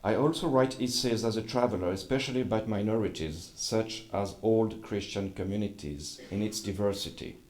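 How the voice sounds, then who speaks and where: Man, french accent, low-pitched, formal and a bit halting. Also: a little mellow. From France. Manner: formal, slightly halting in a second language. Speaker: journalist and scholar speaking at a conference. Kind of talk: prepared conference talk.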